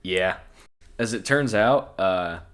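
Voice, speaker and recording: A man's voice: fairly low pitch, lively intonation, slow, a bit bright, clear, resonant tone. A man co-hosting a podcast, reading scripture aloud and breaking off into crude jokes and frequent laughter. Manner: laughs often, crude and joking. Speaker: podcast co-host.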